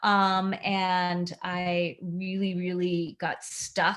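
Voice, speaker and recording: A woman speaks at a medium pitch. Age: 60s. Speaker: teacher trainer and coaching client. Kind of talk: interview testimony.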